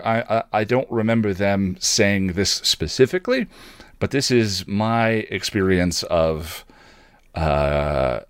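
A man telling a personal story as a podcast host, reflective and wry, halting now and then as he searches for words. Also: low-pitched, dry recording, studio quality.

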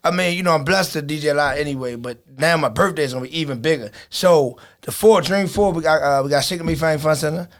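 A man, co-hosting a podcast in a casual chat, telling stories and teasing his friends. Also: fairly high pitch. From Baltimore, USA. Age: 30s. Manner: animated storytelling, teasing, quick joking. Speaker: podcast co-host and DJ.

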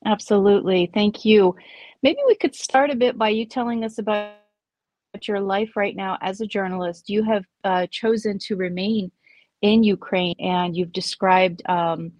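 A woman hosting an interview podcast over a video call, speaking in a measured way with frequent pauses and fillers. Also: medium pitch, fairly even intonation, a little mellow, no room sound. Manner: measured, hesitant with many fillers. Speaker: podcast host.

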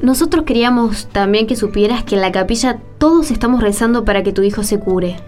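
A woman narrating a scripted radio play as a gentle storyteller. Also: a little high, animated, a little fast, music in the background, close to an everyday voice. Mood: caring. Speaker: narrator and friend character.

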